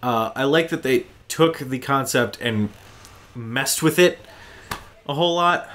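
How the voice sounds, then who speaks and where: A man's voice: medium pitch, measured pace, fairly bright tone, slight background noise. A man hosting a gaming show, giving casual gameplay commentary in an informal, enthusiastic fan's manner.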